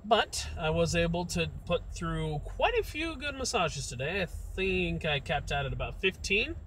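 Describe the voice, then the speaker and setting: Chatty young guy driving and talking to viewers, bouncy voice on the high side, loud car hum. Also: sing-song, moderate pace, poor audio. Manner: rambling, chatty, friendly asides to viewers. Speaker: massage therapist vlogger. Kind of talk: casual live-stream chat while driving. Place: inside a car. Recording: loud road and car noise.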